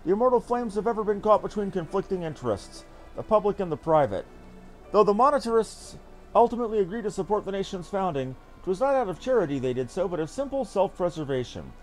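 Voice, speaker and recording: Dutiful army captain, acted by a man, formal archaic report, lively high voice, video game fantasy. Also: fast. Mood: earnest, explaining. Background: game music.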